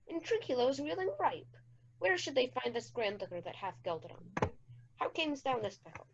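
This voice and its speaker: A woman's voice: a little high, lively intonation, normal speed, vocal fry. A woman playing a solemn, wondering king and father in a Shakespeare radio play. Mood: puzzled. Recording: dull, lo-fi amateur recording.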